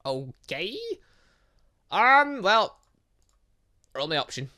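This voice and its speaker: Gaming host for a let's play: bright voice, lively swings in pitch, reads on-screen text with jokey asides. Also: takes it slowly. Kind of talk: let's play commentary, reading game dialogue aloud.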